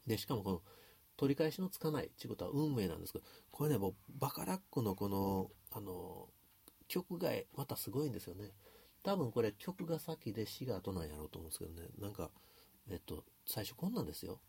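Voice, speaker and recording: A man's voice: lowish voice, sing-song, fast talker, vocal fry, mellow, slightly rough. A man with a Kansai accent thinking aloud as he talks through a song's lyrics in a casual, explanatory way. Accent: Kansai Japanese. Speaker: music commentator. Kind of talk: casual talk analyzing song lyrics.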